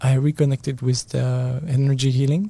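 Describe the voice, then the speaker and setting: Dark, mellow tone from a somewhat breathy man with a French accent. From France. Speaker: energy healer and bodyworker. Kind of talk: podcast interview. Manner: soft.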